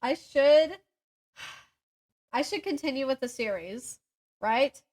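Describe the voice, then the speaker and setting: A young woman with a fairly high voice talks casually about books as a podcast co-host. She giggles easily, pokes fun at herself and slips between chatting and reading aloud. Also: animated, slow pace, darkish tone. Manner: giggly, self-deprecating. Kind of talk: casual book chat with synopses read aloud.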